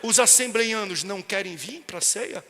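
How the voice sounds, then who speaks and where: A Brazilian man with a Brazilian Portuguese accent preaches a sermon in a large church. His voice sits very high and sounds piercingly bright. Long reverb from the hall and soft music are heard behind him. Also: normal speed, creaky, a little hiss or hum. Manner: storytelling, rising to impassioned preaching. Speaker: pastor.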